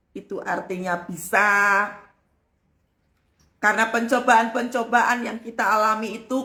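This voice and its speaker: A woman's voice: mid-range voice, reverberant. A woman preaching a devotional sermon, acting out people's complaints in a raised voice. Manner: animated, acts out complaints in a raised voice.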